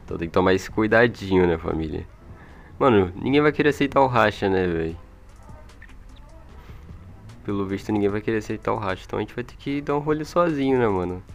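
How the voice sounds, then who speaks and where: A gaming video creator with a Brazilian accent delivers casual, slangy, chatty gameplay commentary into an old microphone while music plays behind him. His lowish, gravelly voice is expressive and a little fast, broken by long pauses.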